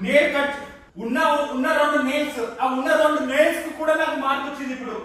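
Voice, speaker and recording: Hushed, nervous man hosting a vlog. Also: extremely high pitch, level tone, racing, heavy reverb, recorded from a distance. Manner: hushed and nervous, then loudly protesting. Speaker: vlog host. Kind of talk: casual prank vlog. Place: indoors at home.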